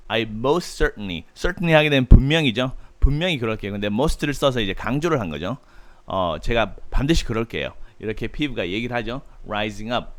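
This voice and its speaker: A man's voice: mid-range voice, a bit bright. A man teaching English by reading from a novel and patiently explaining each phrase, with frequent "uh" fillers. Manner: reads English phrases slowly and carefully. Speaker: English tutor. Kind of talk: book-reading lesson, reading English aloud and explaining in Korean.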